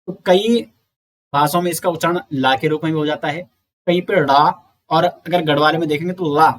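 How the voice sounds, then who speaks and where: A man giving an exam-prep lecture, explaining slowly, repeating sounds and counting aloud. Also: on the high side. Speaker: teacher.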